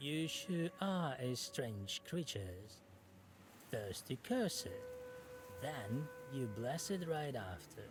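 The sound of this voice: Putting on a creaky character voice at medium pitch, a man speaks very slowly with long, frequent pauses over clear background noise.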